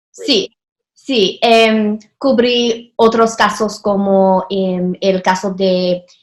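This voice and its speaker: With an English accent, a woman speaks very slowly at a fairly high pitch and with fairly even intonation. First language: English (speaking Spanish). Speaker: newspaper court reporter. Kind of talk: interview. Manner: halting, many fillers.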